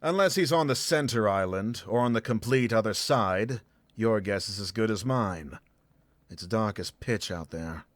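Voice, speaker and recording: A man's voice: on the low side, measured pace, no room sound, natural voice. A male actor playing a talkative, easygoing travelling companion in a fantasy game. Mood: uneasy.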